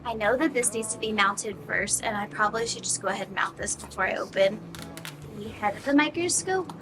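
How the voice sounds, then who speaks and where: A woman's voice: medium pitch, brisk, music in the background. A woman jewelry maker talking to herself as she works in her home workshop, chatty and sometimes dropping to a whisper. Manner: chatty, talks to herself while working, occasional whispers. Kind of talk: casual workshop vlog. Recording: distant camera mic with faint room noise.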